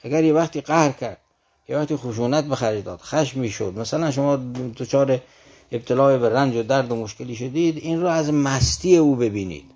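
A man explaining classical poetry in conversation, earnest and patient. He recites verse slowly and then unpacks each line. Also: mid-range voice, a little mellow. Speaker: literature commentator.

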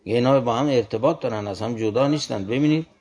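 A man in a conversation, explaining poetry in a measured, formal way and reciting verse lines slowly. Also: mid-range voice, darkish tone, husky. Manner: polite formal address. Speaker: guest explaining classical poetry.

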